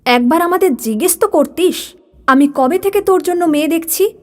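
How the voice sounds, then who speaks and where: A woman's voice: very high voice, lively intonation, moderate pace, voice pushed up. A woman voicing a worried, fussy middle-aged mother in a cartoon. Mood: scolding.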